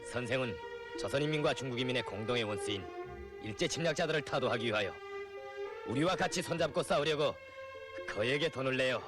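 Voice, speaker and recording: An actor playing an earnest, comradely revolutionary leader in a period film, with a North Korean accent and a solemn, weighty delivery. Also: male voice, medium pitch, lively intonation, a little fast, music in the background, lightly acted. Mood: rousing, solemn.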